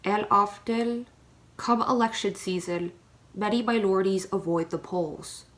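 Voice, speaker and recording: A woman giving serious, deliberate scripted narration in a readers theater performance. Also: mid-range voice, a bit bright, slight background noise, close to an everyday voice.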